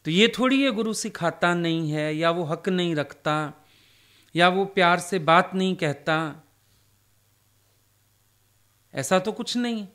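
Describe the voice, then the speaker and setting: A man's voice: high-pitched, animated, takes it slowly, pauses often, fairly bright tone. A man giving a devotional satsang talk, telling personal stories in a conversational way. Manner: conversational storytelling, acting out quoted dialogue. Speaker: satsang speaker.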